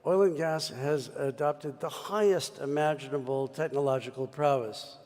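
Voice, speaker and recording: A man's voice: fairly high pitch, normal speed, darkish tone. A man from the United States speaking on a panel, expansive and emphatic, as if giving a speech. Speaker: mining executive panelist. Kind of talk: panel discussion. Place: large conference hall. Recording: long reverb of a conference hall.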